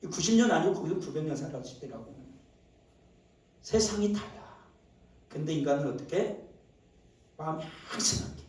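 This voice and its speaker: A man preaching in a church, his fairly high voice ringing through a very echoey hall and sounding set back from the mic. He drops to low murmurs, then bursts into loud exclamations, and keeps throwing rhetorical questions at his listeners. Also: animated, fairly quick, long pauses, distant mic. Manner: asks the congregation rhetorical questions. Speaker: pastor. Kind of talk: sermon. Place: church sanctuary.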